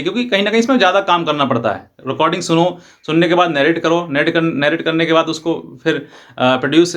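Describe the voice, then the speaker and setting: A man with a slightly high voice speaks as a lawyer giving advice. He explains step by step in an informal way, circling back over his points and mixing in English legal terms. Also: a bit bright. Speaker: advocate presenting legal advice videos.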